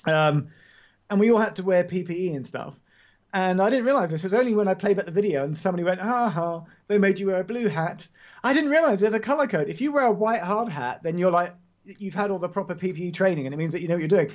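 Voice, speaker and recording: A high-pitched man talks eagerly over a video call, his audio dull and lo-fi. He giggles easily and restarts his sentences as he goes. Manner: enthusiastic, giggly, halting restarts. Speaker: podcast co-host. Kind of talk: casual chat.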